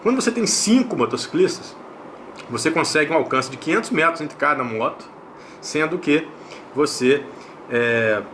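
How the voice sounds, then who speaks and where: A Brazilian man with a slightly high voice presents a product in a casual review style. He explains each detail, often repeating a point and adding short check-in questions. A faint layer of background noise sits behind him. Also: animated, normal speed, fairly bright tone. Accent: Brazilian Portuguese. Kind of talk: casual unboxing and review narration.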